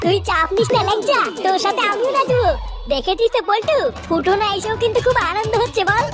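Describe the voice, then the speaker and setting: Squeaky, cheeky cartoon boy. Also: quick pace, over music. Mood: gleeful. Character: cheeky, foul-mouthed village boy. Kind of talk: comic cartoon dub.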